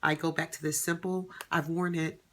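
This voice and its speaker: A woman's voice: deep voice, flat delivery, normal speed, fairly bright tone, slight background noise. A woman in her thirties chatting casually to camera as a vlogger, rambling with many ums and self-corrections. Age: 30s. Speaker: beauty vlogger.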